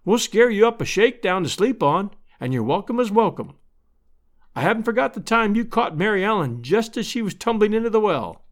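A man's voice: sits high, sing-song, fairly quick, voice pushed up. A man voicing a cheery, kind-hearted, talkative rural married woman from a storybook, in a folksy, fretful manner. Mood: insistent, hospitable. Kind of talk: storybook character voice.

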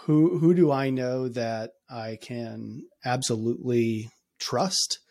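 Halting, energetic male podcast guest. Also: medium pitch. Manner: halting, many restarts and fillers, energetic. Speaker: podcast guest, company founder. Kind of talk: conversational podcast interview.

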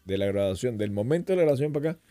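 A middle-aged man speaks as a podcast guest, casual and full of stories, his low voice rising and falling a lot as he slips into quick impressions. The tone is dark and mellow with a husky edge, recorded dry and close with a little music underneath. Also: dry recording. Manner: animated storyteller who slips into voices and accents. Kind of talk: casual conversational storytelling.

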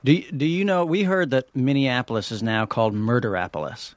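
A man's voice: medium pitch, a little fast, dry recording. A man chatting casually and jokingly as an interviewer. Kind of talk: casual comedic chat.

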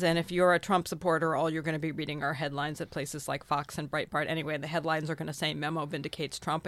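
A woman speaking as a panel guest in a casual chat, dry and sardonic, fluent and quick with an aside. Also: deep voice, dry recording.

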